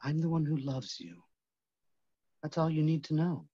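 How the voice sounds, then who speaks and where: A man playing a tormented, obsessive phantom in a staged reading, halting and dramatic, moving between hushed and loud. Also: a little high, lively intonation, slightly rough, no room sound. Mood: menacing, tender. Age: middle-aged. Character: tormented, obsessive masked phantom, possessive male lover. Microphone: computer mic on video call. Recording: muffled video call audio.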